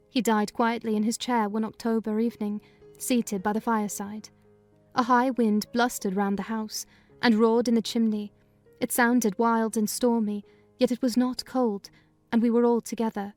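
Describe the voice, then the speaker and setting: Female audiobook narrator, measured storytelling, slightly high voice. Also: steady tone, no echo, faint music behind. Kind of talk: dramatized audiobook reading.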